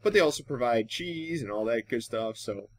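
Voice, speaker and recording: A man's voice: mid-range voice, animated, normal speed. An American man from Wisconsin giving casual Let's Play commentary, rambling and thinking aloud as he goes. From Wisconsin, United States. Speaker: gaming YouTuber and host.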